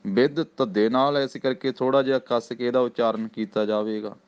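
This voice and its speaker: A man with a Punjabi accent teaching scripture recitation, chanting each phrase slowly and then explaining the pronunciation in plain speech. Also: medium pitch, fairly even intonation, clear, resonant tone. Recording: slightly dull, lo-fi recording.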